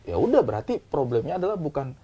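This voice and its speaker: A man talking as a film director, explaining his views with examples in a casual, animated way. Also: a little high, quick pace, breathy edge. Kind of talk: casual discussion.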